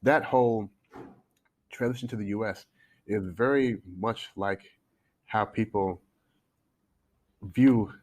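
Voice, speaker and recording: A man's voice: on the low side, slow, pauses often, darkish tone. A man in his forties from Canada, a coach being interviewed, who tells his story in a talkative way, restarting and repeating words as he goes. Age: 40s. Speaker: guest, coach. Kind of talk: casual interview talk. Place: home in China, remote call.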